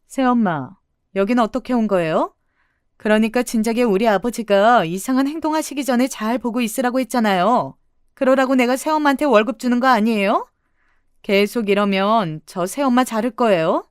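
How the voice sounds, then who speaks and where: A woman voicing a bold, scolding middle-aged sister-in-law who shouts theatrically in a radio story. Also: a little high, normal speed, clean tone, no echo, studio quality, voice pushed up, close to an everyday voice.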